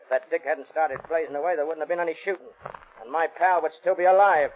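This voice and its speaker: A thin, hissy vintage radio recording carries a fairly high-voiced American gangster played by a male actor. He snarls slangy threats like a hardened 1930s gunman. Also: fast talker, phone-quality sound, natural voice. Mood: hard, curt. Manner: snarling slangy tough talk. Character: hard, threatening 1930s gangster boss with gun. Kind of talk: 1930s radio crime drama acting.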